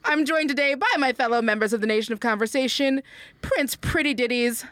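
Woman, podcast host, high voice, playful, laughs a lot, casual chat. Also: fast talker, fairly bright tone, dry recording.

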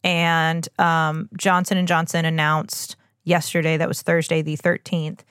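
A woman with a slightly low voice talks as a podcast host and doctor. She explains conversationally and earnestly, with informal, emphatic asides. The sound is dry. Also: flat delivery, a little slow, a bit bright, clean tone, dry recording.

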